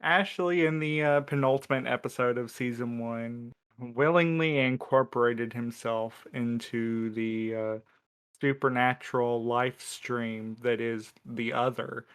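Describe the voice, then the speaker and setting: Man, smooth clean voice, slow pace, casual podcast chat, dry humor, measured. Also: mid-range voice, steady tone, fairly bright tone. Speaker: podcast crew member answering questions.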